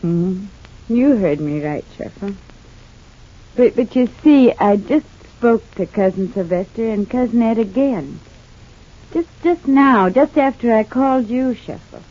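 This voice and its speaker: An actress playing Ma Perkins, an older motherly country woman, in a radio soap opera, speaking softly and hesitantly. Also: on the high side, lively intonation, unhurried. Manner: soft, hesitant, worried. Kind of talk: 1940s radio acting. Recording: dull old radio transcription.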